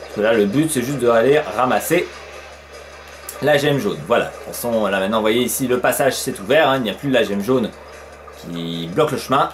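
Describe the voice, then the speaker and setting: A man's voice: medium pitch, expressive, brisk. A man giving casual let's play commentary, chatty and peppering his talk with fillers, swearing when surprised. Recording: faint game music behind.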